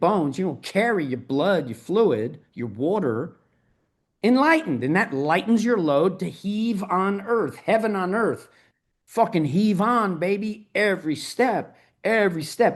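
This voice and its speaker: In a New Jersey accent, a man talks fairly slowly in an animated tone, his high pitch swinging very widely over a quiet background. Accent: New Jersey American. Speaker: movement coach. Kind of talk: podcast interview.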